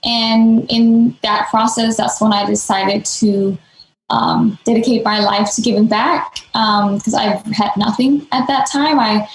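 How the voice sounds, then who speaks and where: A woman's voice: on the high side, fairly even intonation, measured pace. A woman, telling her story as a podcast guest in a casual way, with lots of "um" and "like". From Denmark. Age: late 20s. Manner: fluent, many fillers like "um" and "like". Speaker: guest, nonprofit founder. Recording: echoey room.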